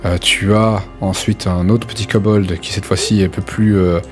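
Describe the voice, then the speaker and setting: A man's voice: deep voice, flat delivery, normal speed, soft background music. A man improvising narration as game master of a tabletop role-playing game, in a hesitant, conversational way.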